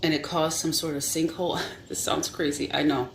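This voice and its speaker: A Christian person sharing a vision as a spiritual testimony, halting, searching for words and repeating phrases. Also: medium pitch, little pitch movement, vocal fry, fairly bright tone. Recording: roomy echo with faint background hum.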